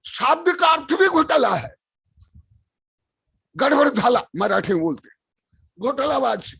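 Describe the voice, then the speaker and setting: An older man giving a sermon as a spiritual teacher, chanting verses and repeating key words with emphatic bursts of loud speech. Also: very high voice, big pitch swings, a little slow, creaky, husky. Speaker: Jain acharya preaching. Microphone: online webinar stream.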